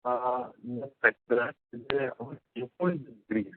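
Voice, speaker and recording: A man asking halting, loosely worded questions as an analyst over a conference call line whose audio keeps breaking up. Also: medium pitch, sing-song, vocal fry. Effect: conference call phone line with breaking audio. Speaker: analyst caller. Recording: tinny phone line with hiss.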